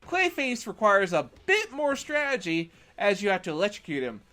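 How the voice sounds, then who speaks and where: A man's voice: high-pitched, huge pitch swings, moderate pace, bright, forceful tone. A man reading a scripted video game review, opinionated, with wry sarcastic asides.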